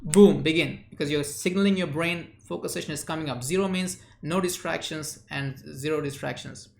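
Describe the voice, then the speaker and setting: A man's voice: on the high side, vocal fry. Man hosting a live chat, echoey room. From India. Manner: chatty, reads chat names and answers quickly, frequent uh fillers. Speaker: live-stream host and memory coach. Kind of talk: live stream, reading viewer chat aloud.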